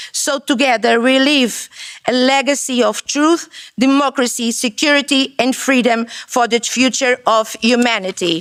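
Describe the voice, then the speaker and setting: In a dry, close sound with no echo, a woman with a Portuguese accent speaks at a moderate pace, high in pitch with ordinary pitch variation. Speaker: activist. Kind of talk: speech. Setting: conference hall with audience.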